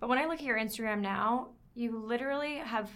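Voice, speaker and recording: A woman talks at a fairly quick pace with a fairly high pitch and ordinary pitch variation. Hers is a plain, everyday voice. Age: 20s. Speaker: podcast host. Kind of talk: casual interview.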